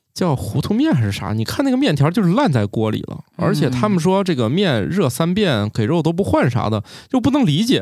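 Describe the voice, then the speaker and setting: A man's fairly high voice with very wide pitch swings, fairly quick and with hardly any pauses, in a very clean recording with a silent background. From Zhengzhou, Henan (family from Northeast China). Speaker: podcast host. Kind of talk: casual chat.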